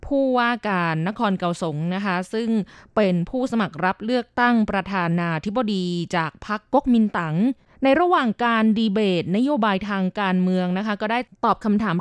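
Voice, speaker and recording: A woman's voice: mid-range voice, dry recording. A woman hosting a radio language segment, explaining words in a chatty, polite way. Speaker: radio host.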